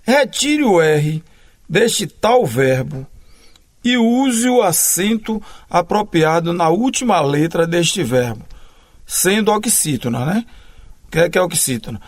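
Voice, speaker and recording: A man's voice: high voice, lively intonation. A male grammar teacher giving a lesson, spelling out letters one by one and answering his own questions. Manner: slow, deliberate, spells out letters and pauses between phrases. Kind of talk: recorded classroom lesson.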